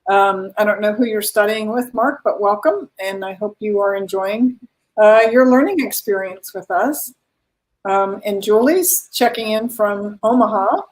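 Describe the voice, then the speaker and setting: A woman's voice: medium pitch, unhurried, rough recording. Chatty woman hosting a live stream. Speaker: host of a live online music event. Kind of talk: casual live chat, greeting viewers.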